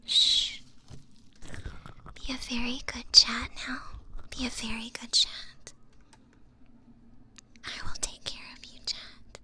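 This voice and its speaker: A woman's voice: fairly high pitch, flat delivery, takes it slowly, long pauses, sharp tone, slightly rough. A woman streamer whispering playfully and teasingly to her chat, close to the microphone. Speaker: VTuber streamer. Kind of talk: whispered ASMR-style live stream chat.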